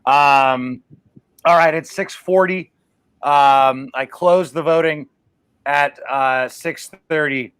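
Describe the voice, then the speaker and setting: A man's voice: on the high side, slow pace, fairly bright tone, clean tone, no echo. A man hosting a comedy livestream in a loose, chatty way with many fillers. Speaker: host.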